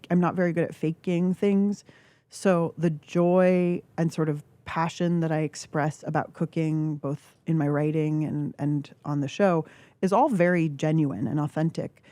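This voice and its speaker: Low, mellow-voiced woman, reflective. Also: dry recording. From California. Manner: reflective, halting, with filler words. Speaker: guest author. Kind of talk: candid radio interview. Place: radio studio. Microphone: studio microphone.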